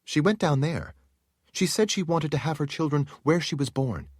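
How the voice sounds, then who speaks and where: A calm sister of an order, as a male narrator puts her on explains things steadily in a lifted voice. The audiobook sound is dry and close. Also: a little high, normal speed, breathy edge, dry recording, pitched above the performer's own voice. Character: calm older nun woman.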